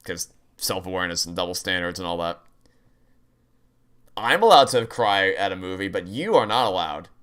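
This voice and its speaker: Casual male streamer with a bright, forward voice. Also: deep voice, expressive, moderate pace, clean tone. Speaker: video game streamer. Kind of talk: casual livestream chat and game commentary. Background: game music.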